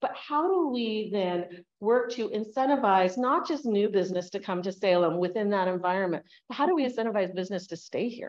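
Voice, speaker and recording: A woman talks at a fairly quick pace with lively intonation and hardly any pauses. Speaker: lobbyist. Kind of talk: legislative update presentation. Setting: meeting room with live audience, microphone. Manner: fast talker. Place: meeting room. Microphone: camera far.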